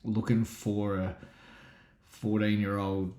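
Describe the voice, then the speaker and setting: Dry-joking podcast host. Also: male voice, fairly low pitch, little pitch movement, takes it slowly, darkish tone. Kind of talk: casual comedy chat. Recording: echoey room.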